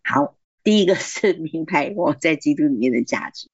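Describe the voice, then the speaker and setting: A woman's voice: sits low, lively intonation, normal speed, breathy edge, no echo, muffled recording. A woman giving earnest, encouraging Christian advice on marriage and self-control, acting out quoted remarks. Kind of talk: faith-based advice talk.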